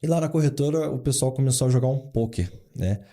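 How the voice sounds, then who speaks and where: A fast-talking man with a warm mid-range voice, in his forties and from Rio de Janeiro, Brazil, appears as a guest in a casual interview. He is a founder and board adviser whose business stories are full of anecdotes and acted-out quotes.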